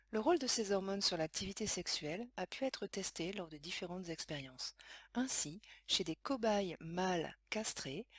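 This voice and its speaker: A woman reading scripted science lesson narration in a measured, explanatory way. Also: fairly low pitch, breathy edge, dry recording. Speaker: educational narrator.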